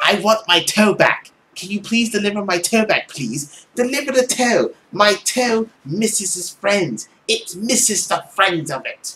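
A put-on character voice, bright and sharp with a slightly husky edge, big pitch swings and a fairly slow pace. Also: man, high pitch for a man.

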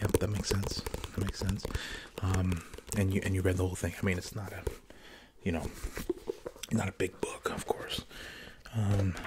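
With long, frequent pauses, a man speaks at a moderate pace while loud background noise plays. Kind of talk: casual role-play chat. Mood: calm, hesitant, polite. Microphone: webcam.

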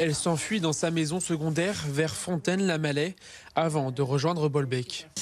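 A man talks at a moderate pace in a plain, everyday voice. His pitch is fairly high, his intonation fairly even and his loudness very even. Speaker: news reporter. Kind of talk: TV news voice-over.

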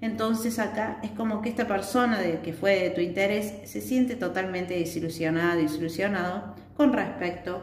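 A woman's voice with ordinary pitch variation, light background noise and audible room echo. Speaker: tarot reader. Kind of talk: tarot reading commentary. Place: home room.

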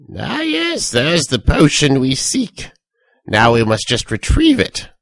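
A put-on character voice sits at a low-to-middle pitch and moves at a fairly slow pace. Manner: grandiose, formal.

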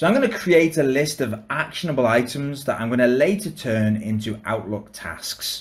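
Barely pausing, a man talks at a moderate pace and medium pitch, his somewhat breathy voice carrying lively intonation. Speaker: software tutorial presenter. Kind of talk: tutorial. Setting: screen recording. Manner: clear, instructional.

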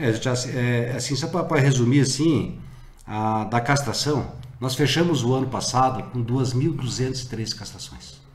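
Fairly even intonation carries a man's very slow delivery. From Lages, Santa Catarina, southern Brazil; Santa Catarina, Brazil. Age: 50s. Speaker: retired military police officer, former municipal environment secretary, pre-candidate; guest. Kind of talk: interview; interview answer. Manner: hesitant, repeats words. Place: studio. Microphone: studio mic.

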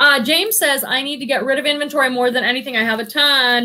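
A woman with an American accent talks very fast in a raised, projected voice that is high, bright and sharp. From Massachusetts, Boston area. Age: 40s. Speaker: online reseller and YouTuber; online reseller, YouTuber. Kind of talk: casual livestream chat. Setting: live stream with chat. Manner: animated. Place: home room. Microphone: webcam.

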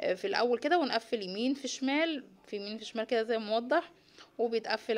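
Light background noise sits under a woman's voice. Her pitch varies in an ordinary way. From Egypt. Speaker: family vlogger. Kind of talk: cooking tutorial; casual vlog narration. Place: home room. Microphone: phone near.

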